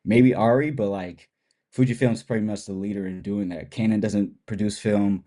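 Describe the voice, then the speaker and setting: A man with a low, mellow voice sounds stuffed up and nasal from a cold. He talks through camera gear on a podcast in a loose, rambling way, trailing off and restarting as he goes. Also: normal speed. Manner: relaxed, rambling with restarts and laughs. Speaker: guest photographer and cinematographer. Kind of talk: casual podcast chat.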